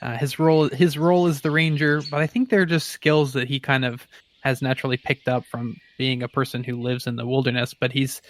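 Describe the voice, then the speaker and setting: A man's voice: medium pitch, flat delivery, fairly quick. A man talking casually as a player in a tabletop role-playing game, describing his character.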